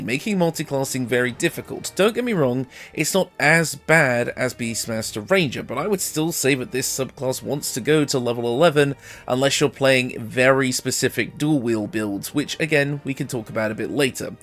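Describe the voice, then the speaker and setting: A man with a medium-pitched, animated voice at normal speed walks through a character build guide for his gaming video, soft background music underneath. He's casual and informal, and he's ill, his voice still recovering from having been lost.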